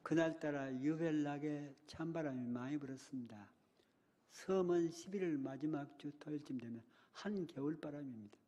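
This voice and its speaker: A man's voice: on the high side, normal speed, warm tone. An older man preaching a sermon, telling a childhood story and acting out the cries and words of the people in it. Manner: dramatic retelling, voicing childhood cries and a teacher's words. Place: church. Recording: long reverb of a church hall.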